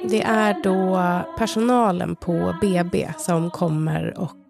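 A woman in her thirties, a podcast co-host, slowly telling a personal story in the present tense in an intimate, measured way. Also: on the low side, gravelly, over loud music. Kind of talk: personal storytelling, partly read from a script.

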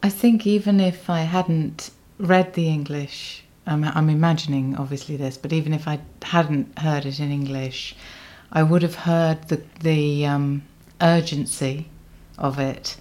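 A woman's voice: sits low, fairly even intonation, unhurried, warm tone. A woman interviewing in a reflective, tentative way, searching for her phrasing in a literary conversation.

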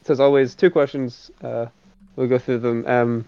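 A man hosting a film review podcast, relaxed and hesitant, leading the segments. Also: medium pitch, normal speed, clear, resonant tone. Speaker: podcast host. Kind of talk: casual film podcast chat. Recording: dry, dull lo-fi sound.

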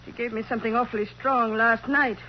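An actress playing a bossy, fussy, penny-pinching wife in a 1940s radio crime drama. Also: female voice, a little high, fairly even intonation, fast talker, lightly acted. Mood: matter-of-fact. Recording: dull, faintly noisy 1940s radio recording.

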